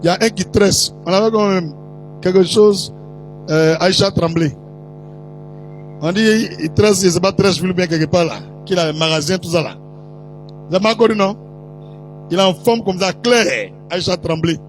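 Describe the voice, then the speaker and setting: A male preacher telling a story in a sermon to his congregation, teasing the crowd and slipping into put-on voices and shouts. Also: high-pitched, normal speed, long pauses, faint music behind.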